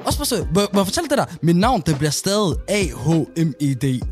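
A man's voice: sits high, faint music behind. A young man co-hosting a casual podcast chat, telling stories with lots of laughter. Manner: animated, laughing, storytelling. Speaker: podcast co-host.

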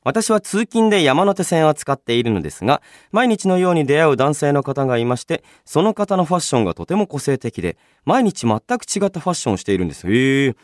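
A man hosting a casual solo radio show, chatting and reading out listener mail in a polite but chatty, animated way. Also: fairly high pitch, fast talker, few pauses, no echo, studio quality. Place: radio studio, dry sound.

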